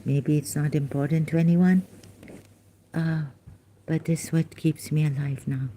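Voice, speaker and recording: Speaking from home while resting, a woman vlogger with Khoja Sindhi as her first language talks in a low, slow, soft, and halting way, her mind wandering between thoughts. Intonation is fairly even, with a little hiss or hum in the background.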